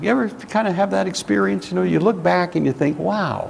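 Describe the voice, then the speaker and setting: Through noticeable background noise and audible room echo, a man speaks at a fairly high pitch with very wide pitch swings. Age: 70s. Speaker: Sunday school teacher. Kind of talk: lecture. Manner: casual, with many filler words.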